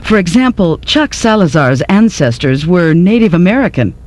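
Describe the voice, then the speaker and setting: A man narrates an educational lecture from a script. His voice sits somewhat high for a male speaker, and his delivery is that of prepared instruction. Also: very animated, normal speed.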